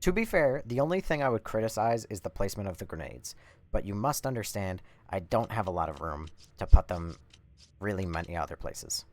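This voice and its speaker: A man doing casual live game commentary, rambling and swearing as he thinks out loud. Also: lowish voice, big pitch swings, a little fast. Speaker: live streamer. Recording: faint background noise.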